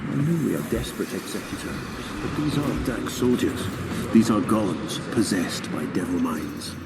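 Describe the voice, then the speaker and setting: Sci-fi game official: lowish voice, troubled, urgent, earnest formal protest, loud ambience behind. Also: male voice, big pitch swings, normal speed, echoey room, in a large hall, far from the mic, heavy background noise. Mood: alarmed, protesting. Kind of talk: dramatic video game acting.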